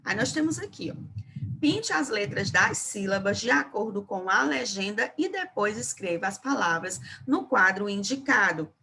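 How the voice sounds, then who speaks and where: A woman teacher giving a remote lesson to young children, speaking slowly and encouragingly. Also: medium pitch, sing-song, creaky, sharp tone, slight background noise. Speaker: primary school teacher.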